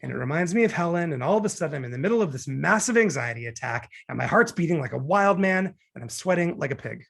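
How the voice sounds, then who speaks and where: A man's voice: a little high, lively intonation, quick pace, creaky, few pauses. A man playing a neurotic, wisecracking, talkative single man who gets defensive in a table read of a film comedy. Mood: anxious, exasperated. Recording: remote video-call table read.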